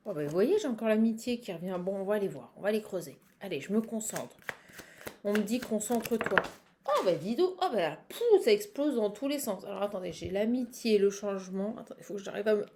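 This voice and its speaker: Animated and brisk, this woman's warm, mid-range voice carries a Parisian French accent, with a little hiss or hum in the audio. The tarot reader and channel host improvises a casual card reading for viewers, chatty and exclamatory, repeating herself and breaking off mid-sentence.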